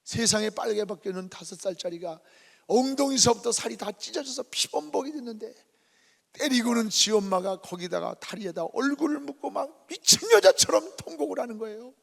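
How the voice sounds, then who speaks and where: Dramatic gravelly-voiced pastor in a reverberant hall. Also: male voice, very high-pitched, lively intonation, brisk. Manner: dramatic storytelling, swinging from whispers to shouts. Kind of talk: revival sermon. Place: church sanctuary.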